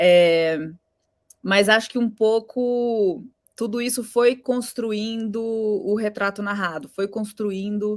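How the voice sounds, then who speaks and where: A woman with a fairly high pitch and ordinary pitch variation talks at a very slow pace, recorded very cleanly against a silent background. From Brasília. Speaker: journalist and podcaster. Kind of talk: panel talk.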